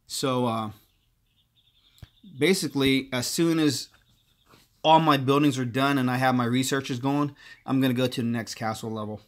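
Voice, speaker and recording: A man's voice: medium pitch, fairly even intonation, normal speed, long pauses. A man hosting a gaming livestream, chatting casually and thinking aloud, with many filler words. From partly Korean heritage. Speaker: livestream host.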